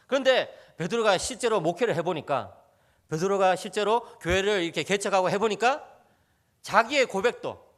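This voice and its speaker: A man's voice: high voice, a bit bright. A man preaching a sermon in a church, telling stories with animation and often calling out to the congregation. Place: church sanctuary.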